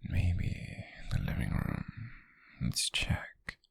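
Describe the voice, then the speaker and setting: Man acting a whispering, menacing British stalker. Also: dry recording. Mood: tender obsession. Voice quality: breathy, raspy whisper. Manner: slow, drawn-out, teasing and sinister. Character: obsessive, menacing yandere male stalker, possessive and calm. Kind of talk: ASMR roleplay. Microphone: close-up ASMR microphone.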